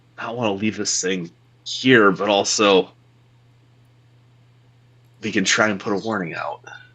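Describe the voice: Using a put-on character voice, a man speaks in a raspy, fairly low pitch at a moderate pace. His intonation stays fairly even, with long, frequent pauses.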